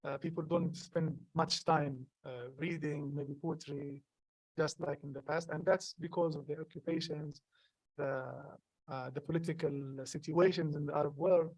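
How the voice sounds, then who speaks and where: A young man from Gaza whose first language is Arabic, a poet answering questions at a live event, halting and earnest with many restarts. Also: fairly high pitch, fairly even intonation, a little mellow, no echo, rough recording. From Gaza, Palestine. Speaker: poet, guest. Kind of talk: live conversation at a public event.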